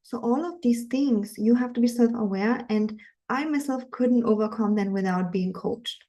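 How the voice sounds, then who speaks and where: Young woman, dating coach, animated live-webinar delivery, fairly high but mellow voice. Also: normal speed. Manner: earnest, animated, frequent fillers.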